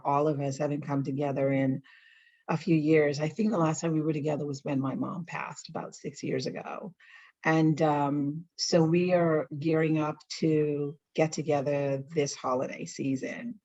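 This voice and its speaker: A woman's voice: low-pitched, mellow, muffled recording. A woman from the Bahamas, a guest on an interview, talking freely and laughing often. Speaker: interview guest, nonprofit founder. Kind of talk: casual interview chat.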